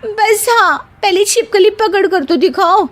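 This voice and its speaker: A woman's voice: very high-pitched, a little slow. A woman voicing a whiny young daughter-in-law in a cartoon story, complaining as she talks.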